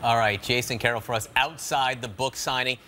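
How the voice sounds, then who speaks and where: An American man anchors live TV news. His voice is bright and forceful, at an average pitch. He speaks from a studio. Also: fairly even intonation, brisk, slight background noise.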